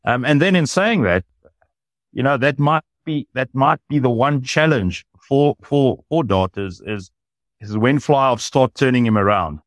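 A man's voice: mid-range voice, measured pace, dry recording. A man, a rugby commentator talking enthusiastically and analytically in a podcast discussion.

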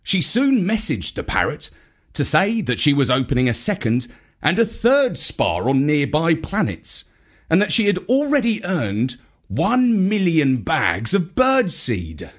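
Slow, husky, very expressive male storyteller. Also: fairly high pitch. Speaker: audiobook reader. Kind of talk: scripted first-person children's story narration.

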